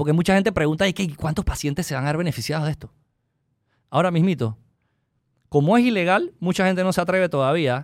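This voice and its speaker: With long, frequent pauses between very fast stretches, a man speaks with ordinary pitch variation in a very clean recording with a silent background. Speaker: entrepreneur and medical cannabis advocate. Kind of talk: interview conversation.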